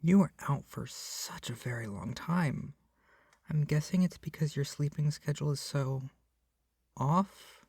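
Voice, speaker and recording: A man performing an ASMR roleplay as a doting, awkward, possessive young male kidnapper, speaking softly and hesitantly. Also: a little high, a little slow, husky, no echo, clean studio sound. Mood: worried, tender. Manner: soft, hesitant, rambling, often dropping to a whisper. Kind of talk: ASMR roleplay addressed to the listener.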